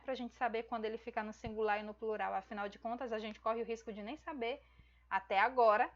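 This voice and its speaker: Woman teacher, slow and emphatic. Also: a little high, muffled recording. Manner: slow, emphatic, addresses students directly. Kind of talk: recorded video lesson.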